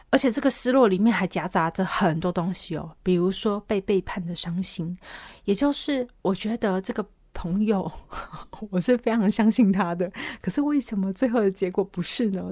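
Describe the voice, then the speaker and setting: A woman podcast host and counselor, telling a personal story in an animated way, often laughing and moving between soft and loud. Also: mid-range voice, no room sound, studio quality.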